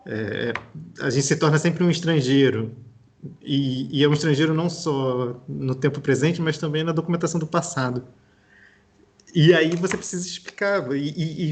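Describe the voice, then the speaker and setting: A man's voice: on the high side, slight background noise. A young man from Brazil with a Rio de Janeiro accent, a guest historian in a casual podcast interview, thinking aloud and restarting his sentences. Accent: Brazilian Portuguese, Rio de Janeiro.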